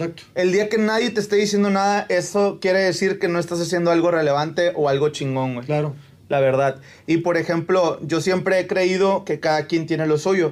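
Ordinary pitch variation runs through delivery that holds a moderate pace. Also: man, high pitch for a man. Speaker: podcast host. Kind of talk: casual chat.

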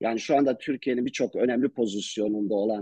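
A man with a fairly low pitch speaks in an unremarkable speaking voice, his intonation fairly even. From Turkey, Ankara. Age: 60s. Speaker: entrepreneur, businessman. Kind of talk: interview, life story.

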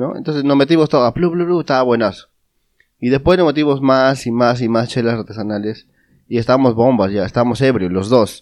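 This man speaks with a Peruvian accent at a fairly quick pace, his medium pitch showing ordinary variation. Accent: Peruvian Spanish (Lima). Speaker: podcast co-host. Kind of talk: casual chat, storytelling. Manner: animated, laughing.

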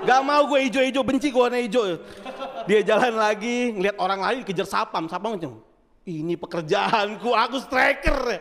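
A man's high-pitched voice in an animated tone, with noticeable background noise. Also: ordinary pitch variation. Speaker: comedian. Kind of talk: stand-up comedy set. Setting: stage with audience. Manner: animated, punchy joke delivery with crowd-directed tags; casual Jakarta slang, self-deprecating, fast-paced.

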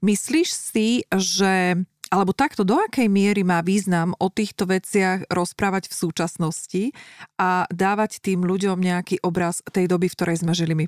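A woman speaks in an unremarkable speaking voice at a moderate pace and medium pitch, with fairly even intonation and very even loudness, in a very clean recording with a silent background and a dry, close sound with no echo. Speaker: podcast host. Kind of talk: interview conversation; scripted outro.

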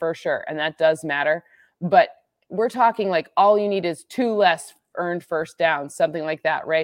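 In a dry, close recording with no echo and a quiet background, a woman with a slight Midwestern US accent talks at a moderate pace in a fairly low pitch. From US Midwest. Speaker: sports analytics expert. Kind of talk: casual chat. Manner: animated.

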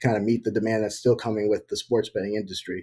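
A man with an American accent, medium pitch, a dark, mellow tone and monotone, flat intonation. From Mount Vernon, New York. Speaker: designer and entrepreneur. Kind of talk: casual discussion.

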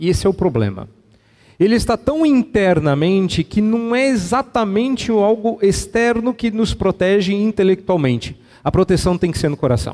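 A man speaks at a moderate pace with a high pitch and lively intonation. His tone is dark and mellow, and the sound is dry and close with no echo. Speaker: pastor and university professor. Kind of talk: sermon.

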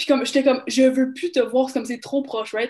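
A woman speaks with high pitch and fairly even intonation. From Saskatchewan, Canada (Fransaskois, Québécois roots). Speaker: podcast co-host. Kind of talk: casual chat.

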